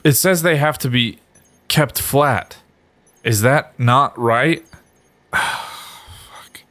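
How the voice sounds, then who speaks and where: A man's voice: mid-range voice, takes it slowly, fairly bright tone. A man giving casual, profane let's-play commentary, exasperated as he plays. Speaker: gamer playing through a video game. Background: game music.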